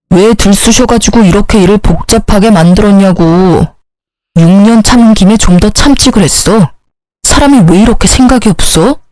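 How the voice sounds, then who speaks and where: A woman's voice: medium pitch, a little mellow, no room sound, natural voice. A woman voicing a sly, self-excusing cheating husband who turns from pleading to blaming. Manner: pleading, then scornful and blaming.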